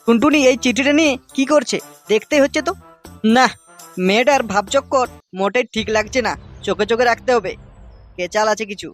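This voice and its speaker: High pitched suspicious cartoon dad, guy doing the voice, grumbly, accusing, rough talking. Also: a little fast, faint music behind. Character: suspicious, grumpy married village man and father in cartoon. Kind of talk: Bengali comedy cartoon dubbing.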